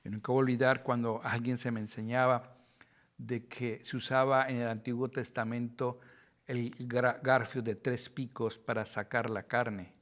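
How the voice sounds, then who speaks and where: Earnest Mexican pastor teaching Scripture. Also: male voice, mid-range voice, little pitch movement, normal speed. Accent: Mexican Spanish. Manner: earnest, with frequent restarts. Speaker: pastor teaching a Bible study. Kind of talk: Bible study teaching.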